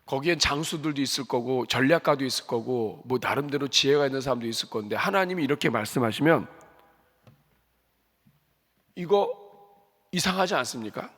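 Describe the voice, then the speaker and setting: A male senior pastor preaching an animated sermon, questioning the congregation and acting out prayers in quoted voices. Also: mid-range voice, fairly quick, pauses often. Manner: acts out prayers and God's commands in quoted voices. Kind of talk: Sunday afternoon sermon. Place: church sanctuary. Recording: long hall reverb of a church sanctuary.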